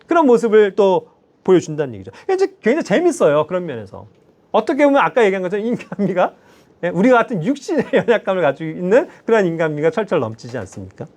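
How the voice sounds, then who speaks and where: A male lay preacher giving a sermon in a church, animated and constantly prodding his listeners with quick questions. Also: high voice.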